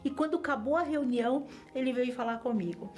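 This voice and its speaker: A woman's voice: sits high, a little fast, a little mellow, faint music behind. A middle-aged Brazilian woman giving an earnest, emotional religious testimony, often repeating phrases for emphasis. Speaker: church member giving testimony.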